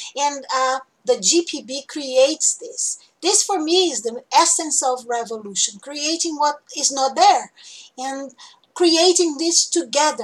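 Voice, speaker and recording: Her pace is very slow, and she has a Portuguese accent. The woman's high pitch rises and falls with lively intonation. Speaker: professor and teacher educator. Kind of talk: casual chat.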